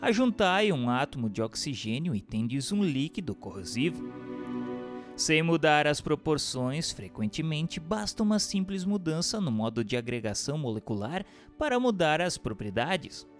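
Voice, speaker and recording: Brazilian male narrator, formal, measured, didactic, animated intonation, scripted audiobook reading, instrumental music underneath. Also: a little high. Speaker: narrator reading a religious treatise.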